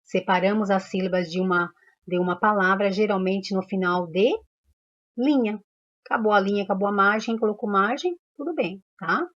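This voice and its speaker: A woman's voice: mid-range voice, normal speed, fairly bright tone. Female primary teacher, Brazilian Portuguese accent, patient step-by-step explainer, muffled recording. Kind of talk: recorded class lesson.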